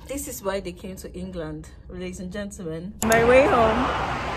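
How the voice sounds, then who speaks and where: A woman's voice with noticeable background noise. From Nigeria. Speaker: university student and vlogger. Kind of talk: casual vlog narration.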